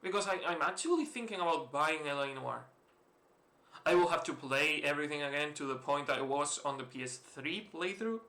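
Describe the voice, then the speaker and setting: Gaming host, male, Spanish-influenced accent, bright edgy voice, loose swearing play-along chatter. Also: a little high, vocal fry. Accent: mixed, Spanish-influenced. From Spain. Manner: rambling, swears freely, chuckles often. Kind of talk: casual let's-play commentary. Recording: roomy echo, faint hiss.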